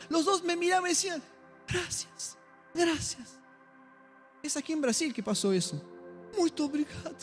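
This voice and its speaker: A male pastor, preaching and telling a story while acting out the dialogue with emotion. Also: very high-pitched. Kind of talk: sermon storytelling. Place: church.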